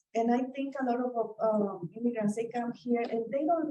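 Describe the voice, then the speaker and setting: A woman's high-pitched voice with a dark, mellow tone, ordinary pitch variation and a strong Mexican accent. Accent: thick Mexican Spanish. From Mexico. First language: Spanish. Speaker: panelist, immigrant businessperson. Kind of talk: panel discussion. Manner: hesitant, many fillers.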